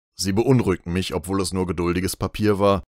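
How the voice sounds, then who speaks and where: A normal speaking voice moves at a fairly quick pace with fairly even intonation, in a very clean recording with a silent background and a dry, close sound with no echo. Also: man. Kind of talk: noir detective narration, read aloud as a first-person audiobook story.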